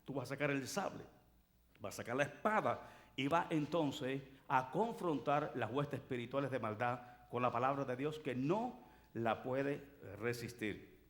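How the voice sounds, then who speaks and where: A man, preaching a sermon as pastor in a church, emphatic and swelling louder at key points. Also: mid-range voice, lively intonation, unhurried. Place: church sanctuary.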